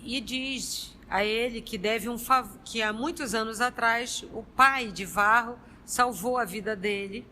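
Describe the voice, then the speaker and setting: A woman recapping a story from memory, slow and halting. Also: a little high, pushed and bright, a little hiss or hum. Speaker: study group member giving a recap.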